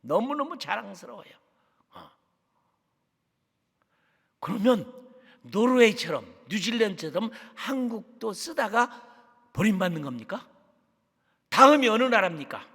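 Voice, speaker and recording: Fervent high-voiced man preaching in a reverberant church. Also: big pitch swings, unhurried, creaky, long pauses, husky. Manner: fervent, swings from hushed to shouting. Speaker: guest missionary preacher. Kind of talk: sermon. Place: church sanctuary. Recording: long church hall reverb.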